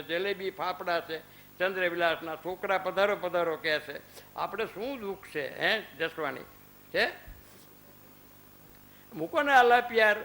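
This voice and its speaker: A man's voice: high voice, sharp tone, slight background noise, rough recording. A man in his fifties giving a religious discourse at an ashram, telling stories with quoted dialogue and rhetorical questions. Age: 50s. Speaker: spiritual discourse speaker. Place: ashram hall.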